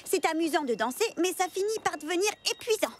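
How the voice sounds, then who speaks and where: A woman voicing an excitable, boastful young girl who flusters easily, in a French cartoon dub with gushing, theatrical delivery. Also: extremely high pitch, quick pace, noisy background. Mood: boastful, excited. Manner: gushing, theatrical, hesitant when caught out.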